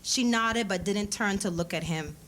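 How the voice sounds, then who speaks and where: Female reader, mid pitch, dramatic literary delivery, live event with audible background noise. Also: moderate pace, a bit bright. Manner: acts out dialogue in character voices. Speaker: author reading a story. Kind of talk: dramatic literary reading of fiction. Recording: clearly noisy live event recording.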